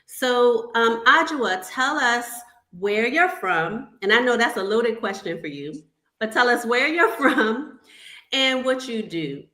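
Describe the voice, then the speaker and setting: Woman, host, enthusiastic, chatty, bright tone, roomy echo. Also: a little high, expressive, slow pace. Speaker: podcast host. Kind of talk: upbeat interview hosting.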